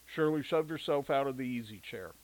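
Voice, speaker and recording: A man narrating a story in an even, steady reading voice. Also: mid-range voice, a little fast, poor audio.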